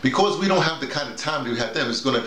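A middle-aged or older man talking casually and emphatically to colleagues like a teacher, often halting and repeating his words over and over. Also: medium pitch, animated, fairly bright tone, slight background noise. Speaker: workshop leader and radio drama teacher. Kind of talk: casual informal explanation to colleagues. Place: small indoor room with bare walls, seated. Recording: roomy, echoing small room.

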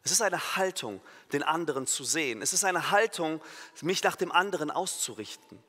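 A man's voice: on the high side, lively intonation, moderate pace, bright, forceful tone. Man preaching in an echoing church. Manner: emphatic, acts out imagined inner voices, self-corrects. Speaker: pastor. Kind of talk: sermon. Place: church hall. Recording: long reverb of a church hall.

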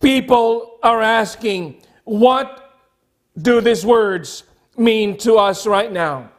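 A middle-aged man preaching a sermon as a pastor, speaking deliberately in short, emphatic phrases with repetition. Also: high-pitched. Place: church sanctuary, at a pulpit.

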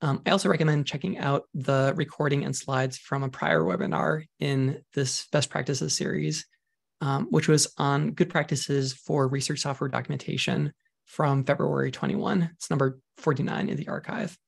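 A man presenting a programming webinar over slides, talking in a measured way with frequent ums while he is losing his voice. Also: mid-range voice, fairly even intonation, creaky, breathy edge. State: losing his voice, clearing throat.

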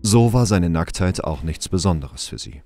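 A male narrator tells a story in a radio play. His voice is low, and he reads scripted prose over faint background music. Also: animated, normal speed, dark tone. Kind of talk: scripted audio drama narration.

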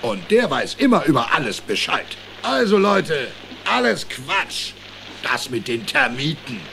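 Gravelly, scoffing animal ringleader. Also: male voice, a little high, big pitch swings, a little slow, pushed and bright, a little hiss or hum, full character voice. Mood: scornful, bossy. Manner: scoffing, bossy. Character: scornful, blustering male animal ringleader on the Ark. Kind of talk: German children's audio drama acting.

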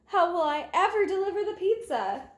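Woman reading as high-voiced flustered pizza baker. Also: sing-song, moderate pace. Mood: dismayed. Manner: exclaiming, storybook dialogue. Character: excitable, flustered male pizza baker in picture book. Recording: roomy home recording.

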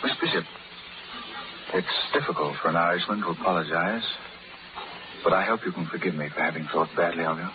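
An actor playing a bold, sardonic Irish rebel doctor in 1930s radio drama style. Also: male voice, low voice, a little fast, long pauses, lightly acted. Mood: brooding, guarded. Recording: crackly 1930s live radio, tinny, audience noise. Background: loud audience and crackle.

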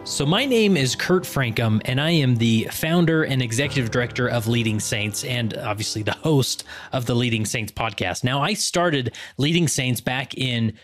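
A man's voice: mid-range voice, lively intonation, normal speed, few pauses, faint music behind. A man hosting a podcast, talking in an upbeat, chatty way with frequent fillers and restarts. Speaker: podcast host. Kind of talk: casual interview and scripted promo read.

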